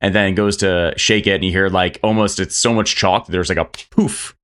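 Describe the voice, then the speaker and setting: A man's voice: sits low, fairly even intonation, normal speed, fairly bright tone. A man narrating as game master of a tabletop game, rambling with lots of fillers.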